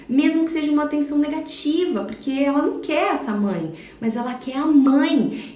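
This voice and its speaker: Brazilian woman educator, slightly high voice, direct to viewers, echoey home phone live. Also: dark tone. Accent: Brazilian Portuguese. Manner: explanatory, addresses viewers directly, frequent "tá?" check-ins. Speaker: parenting educator. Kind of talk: live-streamed parenting talk. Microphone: phone for a social media live.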